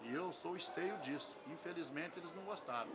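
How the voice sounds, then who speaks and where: An older man with a Brazilian accent, a fair organizer, gives an emphatic on-camera news interview in a semi-open covered event hall, hammering points home with repeated phrases. His voice is fairly high and he speaks fairly quickly. The open venue's ambient noise comes through clearly.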